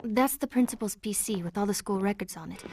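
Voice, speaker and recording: A woman's voice: medium pitch, brisk, darkish tone, a little hiss or hum, lightly acted. A woman playing a friendly, casual young woman with a breezy, teasing way of talking in a naturalistic video game style. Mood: breezy, playful. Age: young adult.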